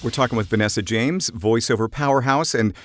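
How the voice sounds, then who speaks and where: A man's voice: medium pitch, a little fast. Podcast host man over a music bed. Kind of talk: casual interview hosting.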